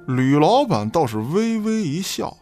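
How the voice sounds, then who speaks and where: A man's voice: fairly high pitch, big pitch swings, unhurried, mellow, faint music behind. A man narrating a scripted story as the storyteller of a Chinese radio drama.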